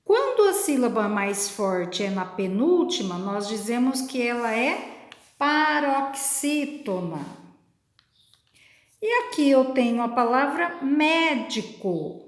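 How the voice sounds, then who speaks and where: Patient woman teacher, lively high voice. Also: reverberant. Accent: Brazilian Portuguese. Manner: slow, patient, explaining step by step. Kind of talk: recorded lesson for children.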